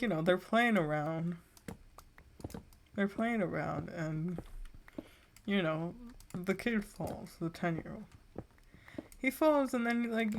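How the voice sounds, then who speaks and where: A woman's voice: medium pitch, a little hiss or hum. A teenage woman streaming a game and telling a rambling story in casual chat, full of filler likes. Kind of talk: casual chat while gaming.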